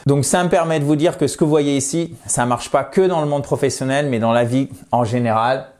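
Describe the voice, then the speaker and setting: Guy giving an english lesson, stretches out example phrases, upbeat. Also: medium pitch. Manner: lively, drawn-out slow drills of English phrases. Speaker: English teacher. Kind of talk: online language lesson.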